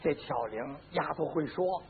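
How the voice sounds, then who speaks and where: A man's voice: fairly high pitch, unhurried, slightly rough. A male storyteller narrating a traditional tale vividly and dramatically, with his own sound effects, on a lo-fi recording. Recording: lo-fi phone-like band with faint hiss.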